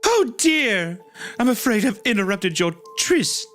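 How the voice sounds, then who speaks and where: A man's voice: high voice, very animated, measured pace, a bit bright, faint music behind, voice pushed up, full character voice. A man voicing a genteel, fussy, motherly madam of a grand house in an affected, theatrical comic reading. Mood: gracious, chirpy. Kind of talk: comic dramatic reading of a story.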